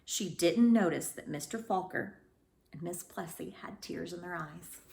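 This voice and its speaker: A woman narrating a children's storybook as a read-aloud storyteller, with dramatic, deliberate phrasing. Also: fairly low pitch, creaky, a little mellow, a little hiss or hum. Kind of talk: expressive scripted storybook narration.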